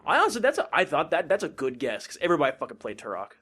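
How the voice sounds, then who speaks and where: A man's voice: on the high side, wildly swooping pitch, very fast, bright, forceful tone, slightly rough. A man co-hosting a podcast, chatting informally and profanely about video games. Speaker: podcast co-host.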